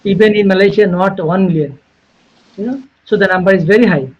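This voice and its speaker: Guy from bangladesh answering q&a on a video call, high voice, muffled lo-fi sound. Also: fairly quick. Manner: earnest, repetitive phrasing with frequent "okay" and "you know". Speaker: guest speaker, researcher. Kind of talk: webinar Q&A answers. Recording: dull lo-fi webinar audio.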